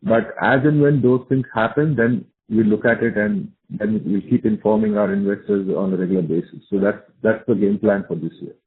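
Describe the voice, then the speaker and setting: A man's voice: on the low side, normal speed, few pauses. A man with an Indian accent answering investor questions as a company executive on a conference call, restating his points for emphasis, over a narrow phone line.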